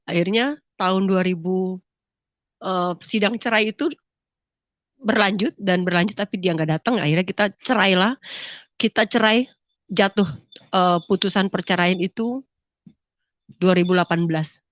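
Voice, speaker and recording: A woman's voice: medium pitch, moderate pace, pauses often, no room sound. Tearful woman giving a church testimony. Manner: addresses listeners as "saudara", voice breaking with grief. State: tearful, sniffling. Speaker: testimony speaker. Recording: dull lo-fi dry recording.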